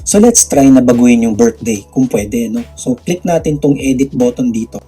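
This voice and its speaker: A Filipino vlogger with a slight Visayan accent speaks in a mid-range, mellow, husky voice with lively intonation at a moderate pace, over soft background music. Chatting through a screen-recorded tutorial, he answers viewer questions, laughs often, and keeps explaining with frequent "okay?" tags.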